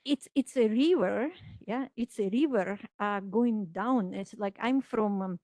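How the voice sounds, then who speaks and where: A woman's voice: mid-range voice, unhurried, darkish tone, no echo. Woman from Kazakhstan giving a science lecture. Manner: explanatory, non-native grammar, frequent restarts. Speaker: research lecturer. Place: lecture room.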